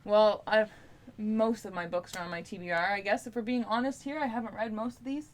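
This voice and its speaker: A woman's voice: medium pitch, steady tone, fairly quick. A young woman chatting casually to camera as a book vlogger, in an informal, rambling, playfully self-deprecating way. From Canada.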